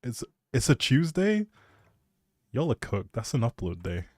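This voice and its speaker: This young adult streamer and audio creator has a medium-pitched, darkish, sing-song voice and a measured pace. On his game livestream he rambles casually, joking and replying to viewers, captured in clean studio sound without room reverb.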